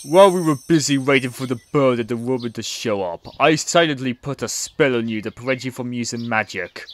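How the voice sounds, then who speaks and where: A man's voice: medium pitch, brisk, lightly acted. A man playing a remorseful comedian in a frog puppet. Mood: earnest. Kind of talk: hobby audio play acting.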